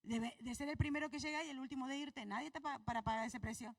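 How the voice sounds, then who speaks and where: A woman pastor with an Argentine accent preaching a sermon to her congregation, asking questions and swinging between soft and loud. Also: high-pitched, quick pace, dry recording, distant mic. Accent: Argentine Spanish. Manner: preaches to the congregation with rhetorical questions, voice rising and falling. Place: church hall.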